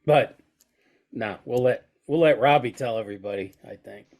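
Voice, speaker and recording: A man's voice: medium pitch, normal speed, darkish tone. A man co-hosting a casual podcast, congested from a heavy cold, teasing his partner with dry humor. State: has a cold. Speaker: co-host, trainer.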